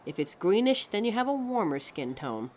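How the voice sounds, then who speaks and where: A woman's voice: mid-range voice, sing-song, normal speed, a little mellow, a little hiss or hum, close to an everyday voice. A woman voicing a pompous, theatrical living mannequin who lectures the listener as a fussy fashion expert in a scripted roleplay. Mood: patient, instructive. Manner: pompous, affected, instructive, calls listener darling.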